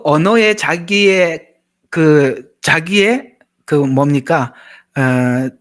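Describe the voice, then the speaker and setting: Male pastor, conversational sermon full of asides to the flock; voice sits high and swings widely. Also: a bit bright. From Gyeongsang region, Korea. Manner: chatty, joking preaching with asides to the congregation.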